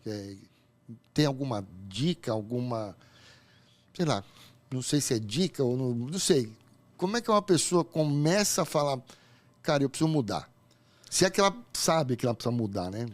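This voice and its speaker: A man's voice: mid-range voice, expressive, normal speed. Hesitant rambling Brazilian man host. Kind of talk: conversational interview.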